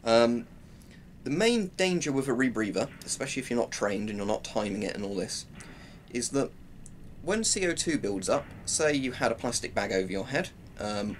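Recorded in a small, cluttered room at home with obvious noise, this clip features a British presenter of military gear reviews in his twenties. He talks a little fast in an animated mid-range voice, rambling informally as he shows off the gear.

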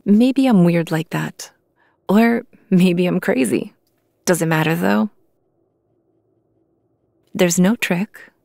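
A woman playing a lovestruck, insecure vampire hunter in an intimate ASMR roleplay, speaking hesitantly and earnestly in a soft, confessional way. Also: fairly low pitch, creaky, dry recording, clean studio sound, exaggerated voice. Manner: hesitant, pleading, soft confessional delivery with pauses. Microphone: close microphone, dry recording.

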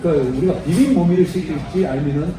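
A man's voice: on the high side, fast, crowd noise. A middle-aged man chatting casually as host of a mukbang, often echoing phrases back. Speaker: food show host. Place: restaurant. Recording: clear background noise, on location.

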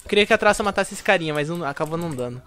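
A young man from Brazil chats quickly through a gaming session, his voice sitting high and his words tumbling out. He talks in easy slang and grows quieter and more focused as the match goes on. Faint music and keyboard clatter sit behind him. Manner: slangy, excitable intro then quieter focused play talk. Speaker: gaming YouTuber. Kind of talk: casual gameplay commentary.

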